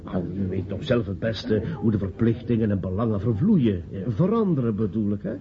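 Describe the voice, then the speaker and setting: An actor playing an unctuous, hedging broadcasting official in a radio play. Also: male voice, fairly low pitch, animated, a little fast. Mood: placating. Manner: unctuous, hedging, tags sentences with questions. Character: evasive, flattering broadcasting official, courteous and noncommittal. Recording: muffled radio play, chattering party crowd.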